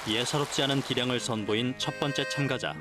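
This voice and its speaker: A man's voice: mid-range voice, fast talker. A man reading scripted narration for a TV news feature. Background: loud music.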